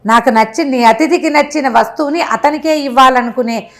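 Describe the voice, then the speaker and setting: A proud Caliph disguised as a merchant guest, voiced by a woman storyteller, speaks in a high, voice. The delivery is emphatic and questioning, as in a bedtime tale told aloud. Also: a little fast, a bit bright. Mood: amazed, probing.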